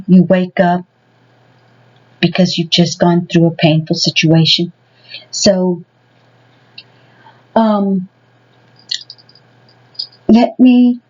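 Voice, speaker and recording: A woman's voice: lowish voice, takes it slowly, pauses often, darkish tone, muffled recording. A woman giving a casual tarot reading to her viewers. She talks in a rambling way and fills her sentences with many "you know"s. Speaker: tarot reader.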